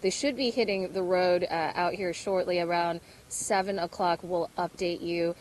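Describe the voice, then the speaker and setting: A woman's voice: on the low side, fairly even intonation, normal speed, darkish tone, a little hiss or hum, low-quality recording. A woman field reporter giving a live news report from the street, talking loosely with fillers and restarts. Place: outdoors in the cold by a roadside crowd.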